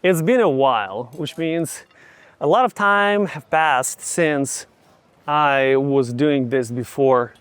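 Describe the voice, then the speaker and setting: A young man with a Ukrainian accent, vlogging outdoors while walking city streets, chatting casually and slowly explaining English words. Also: a little high, clean tone, dry recording. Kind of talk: casual travel vlog with teaching asides.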